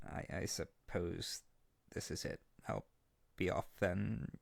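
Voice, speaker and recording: A man playing an earnest, lovesick young harpy bird-boy in a roleplay audio drama, gentle and insecure, speaking tenderly with hesitant stammers. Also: sits low, sing-song, takes it slowly, gravelly, no room sound, heavily acted. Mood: mopey, resigned. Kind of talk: roleplay audio drama spoken intimately to the listener.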